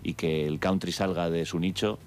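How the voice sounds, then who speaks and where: Band guy, super low voice, talks quick, faint noise. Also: fairly even intonation, darkish tone. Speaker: band musician guest. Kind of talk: casual interview answers.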